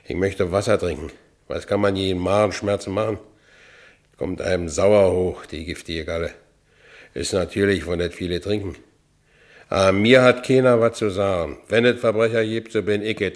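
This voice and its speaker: An actor playing a bitter, self-pitying working-class ex-convict in a radio play, colloquial and with a Berlin accent. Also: male voice, deep voice, moderate pace, lightly acted. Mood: sullen, angry. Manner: colloquial, brooding. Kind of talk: first-person radio play narration.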